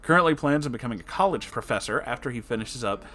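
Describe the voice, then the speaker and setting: A man reading a story aloud as an online narrator, expressive and casual, with dramatic delivery. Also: mid-range voice, fast talker. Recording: music behind the voice. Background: background music.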